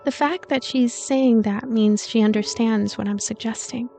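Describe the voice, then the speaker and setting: A woman with a higher-than-average voice narrates a visual novel expressively. She slips into casual asides between passages, and game music plays faintly underneath. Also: steady tone, moderate pace, creaky, mellow. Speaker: let's play narrator and commentator.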